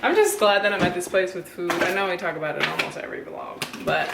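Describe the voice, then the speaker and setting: A woman's voice: on the low side, fast, vocal fry. A young adult woman vlogging at home in a casual, candid and reflective way. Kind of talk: casual vlog talk. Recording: echoey room, faint noise.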